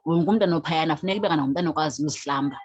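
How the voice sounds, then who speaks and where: A woman from the Eastern Cape of South Africa, who founded a youth organization, speaks as an interview guest with a Xhosa accent and switches between languages. Her low voice is very fast and slightly rough.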